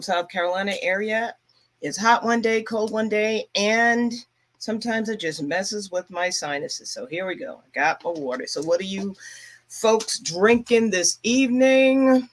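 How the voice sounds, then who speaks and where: A woman's voice: medium pitch, a bit bright. A middle-aged woman from Brooklyn hosting a casual livestream, chatting and greeting viewers by name. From Brooklyn, New York. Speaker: travel agency owner and livestream host.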